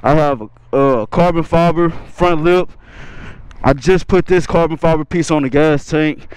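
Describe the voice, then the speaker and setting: A man's voice: on the high side, unhurried, darkish tone, clear, resonant tone, no room sound, poor audio. A man talking casually to his viewers in a slangy, laid-back way, recorded while riding a motorcycle. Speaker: motovlogger. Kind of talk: casual motovlog talk to viewers. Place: riding a motorcycle outdoors on city streets. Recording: faint road and traffic noise.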